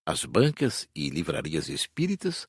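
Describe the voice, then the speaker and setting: A man as male spirit guide, deep, lively intonation, husky, instructive, audiobook. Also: a little slow, no echo, studio quality, full character voice.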